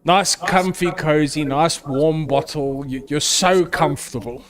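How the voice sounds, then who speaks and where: A man running a tabletop game as game master, narrating scenes in a descriptive, halting way with fillers. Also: on the high side, music in the background.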